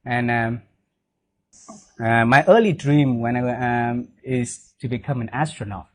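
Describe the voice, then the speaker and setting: Eager Vietnamese-accented interview host. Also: male voice, mid-range voice, unhurried, slight background noise. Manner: eager, leans on "right?" tags. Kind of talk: interview conversation.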